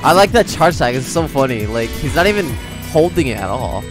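Animated young man, casual reaction commentary. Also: medium pitch, fairly quick, music in the background. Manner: informal, slangy, easily amused. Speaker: gaming reaction video host.

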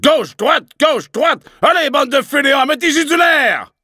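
A frantic game commander, shouting urgently. The voice is pushed high and forceful, in a dry recording. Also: male voice, expressive, a little slow, no echo, heavily acted. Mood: bossy. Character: frantic battle commander rallying his troops.

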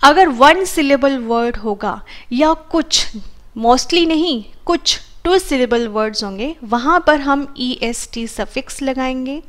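A woman with an Indian English accent teaching a grammar lesson, patiently repeating each rule with examples. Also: high voice. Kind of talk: explaining a grammar lesson in Hindi with English terms.

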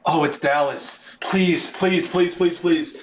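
A man hosting a live sports card break, announcing names in an excitable, drawn-out way, his voice starting to wear. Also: a little high. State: voice starting to give out. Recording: roomy echo, background noise.

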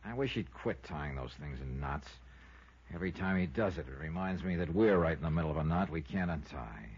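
A muffled vintage radio recording of a sardonic American investigator from a 1950s detective drama. His voice is deep and swings expressively. The delivery is clipped and world-weary, with a soft heart under the toughness. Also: animated, fairly quick, breathy edge, full character voice. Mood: wry, frustrated. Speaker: lead actor and narrator.

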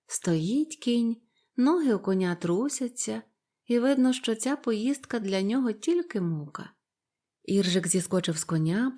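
A woman narrating a bedtime fairy tale in a calm, unhurried way. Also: mid-range voice.

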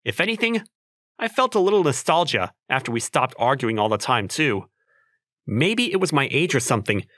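Awkward single young man, played by a male actor, wry and self-questioning, animated delivery for a manga romcom. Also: on the high side. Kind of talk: manga dub acting and narration. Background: music.

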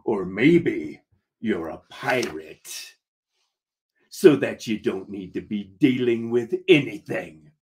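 A man voicing a calm, preachy pirate mate who talks in pirate dialect and therapy-speak in a told story. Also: fairly low pitch, a little slow, slight background noise, pitched below the performer's own voice. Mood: accusing. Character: Rotten Pete, calm, preachy male pirate first mate with a hook.

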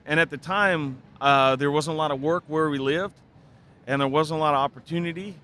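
A man in his thirties talks earnestly into a close desk mic, his voice bright and forward. He lays out his answers in a measured, thoughtful way. Faint trade-show chatter hums behind him. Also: fairly high pitch, slight background noise. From Spokane, Washington, United States. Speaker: hairdresser and product developer, guest. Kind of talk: casual interview. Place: booth at a busy trade show hall. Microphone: desk mic on a stand, close.

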